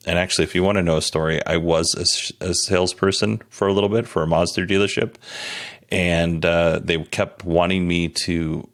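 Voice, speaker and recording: Deep-voiced man hosting a podcast. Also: steady tone, normal speed. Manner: conversational, candid, self-deprecating. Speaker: podcast host. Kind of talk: casual solo news commentary.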